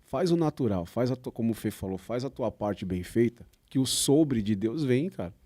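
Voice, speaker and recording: A man's voice: medium pitch, animated, normal speed, warm tone, dry recording. A man on a church podcast giving encouraging, preacherly advice in a casual tone. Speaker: podcast guest.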